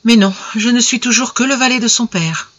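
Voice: mid-range voice, fairly quick, fairly bright tone, dull audio, pitched above the performer's own voice, close to an everyday voice. A narrator reading a heartbroken young clerk. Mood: despairing. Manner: despairing inner monologue.

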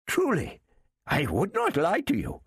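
A man voicing a wily, overly polite male thief who fawns and keeps flattering his captive. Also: a little high, a little slow, slightly rough, no echo, studio quality, voice pushed up, exaggerated voice. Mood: wheedling. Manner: fawning, keeps saying my lord.

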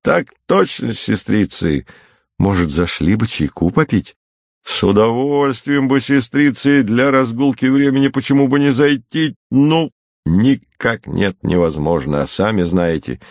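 A man's voice: mid-range voice, lively intonation, unhurried, no echo, lo-fi sound. A man doing a jaunty carefree soldier. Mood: cheerful. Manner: jaunty, folksy soldier's talk. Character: cheerful carefree young male soldier.

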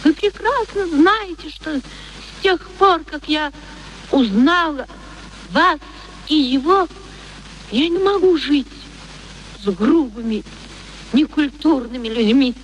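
A woman's voice: high-pitched, slow, pauses often, rough recording. An actress playing a proud, passionate young woman in a radio play, theatrical and emotional. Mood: wounded. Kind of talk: Soviet radio play acting. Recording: old radio play recording, faint noise.

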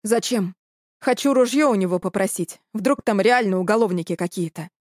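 A woman voicing a decisive young man who talks briskly and takes charge. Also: mid-range voice, darkish tone, no room sound, studio quality, close to an everyday voice.

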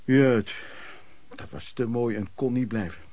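An actor playing a hardworking itinerant peddler, looking back on his life in colloquial, reflective radio drama narration with a husky voice. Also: mid-range voice, a little slow, warm tone, no echo, close to an everyday voice. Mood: matter-of-fact.

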